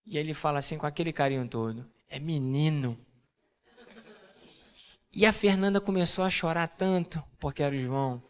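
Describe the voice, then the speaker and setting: A man giving a sermon testimony to a church audience, telling a family story in an animated way and acting out the dialogue. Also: on the high side, normal speed, clear, resonant tone.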